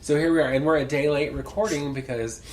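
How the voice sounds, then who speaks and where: A man's voice: fairly high pitch, fairly even intonation, quick pace, soft background music. A man co-hosting a casual podcast, telling a story in a chatty, self-mocking way. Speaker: podcast co-host.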